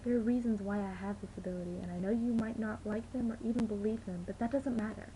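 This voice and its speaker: A woman's voice: medium pitch, fairly even intonation, quick pace, warm tone, lightly acted, poor audio. A woman playing an earnest, defiant fifteen-year-old girl in an insistent, persuasive dramatic audition monologue. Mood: determined. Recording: amateur recording with faint background noise.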